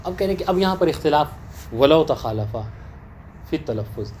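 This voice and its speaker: Male teacher of religious law, highish voice, lecturing students with frequent comprehension checks. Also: animated, a little mellow, slight background noise. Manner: checks understanding with rhetorical questions to students. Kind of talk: classroom lecture explaining a text. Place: teaching session with students present.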